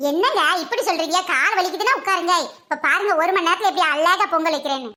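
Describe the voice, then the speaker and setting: A woman's voice: very high-pitched, lively intonation, fast, pushed and bright, heavily acted. A woman voicing a fussy village mother and wife who complains and scolds, in a cartoon comedy. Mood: defensive.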